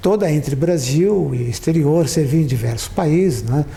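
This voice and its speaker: A man's fairly high voice rises and falls with lively intonation against noticeable background noise. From Brazil, São Paulo city. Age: 60s. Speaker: diplomat. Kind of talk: interview. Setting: consulate office.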